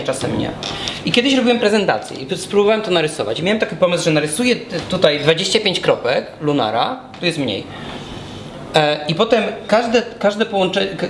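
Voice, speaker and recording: A man's voice: a little high, fairly bright tone. A man in his thirties giving a talk at a whiteboard, explaining step by step while he draws, often restarting his words, recorded by a far camera in a small brick room. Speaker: guest speaker. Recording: echoey room from far off, noisy.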